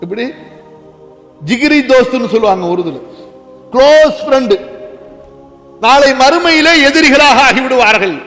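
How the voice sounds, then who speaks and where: Brief: high, bright-voiced male preacher, fervent and shouting, in a long echoing hall. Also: lively intonation, unhurried, long pauses, faint music behind. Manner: impassioned, rising to shouts and chanting Quranic verses. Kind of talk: Islamic sermon.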